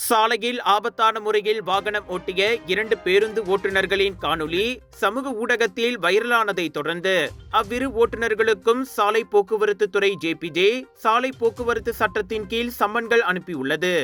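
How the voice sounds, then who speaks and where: A man presents the news in a high, bright voice with a Malaysian Tamil accent. His delivery is formal and measured, each phrase carefully enunciated, over faint background music. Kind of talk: formal scripted news reading.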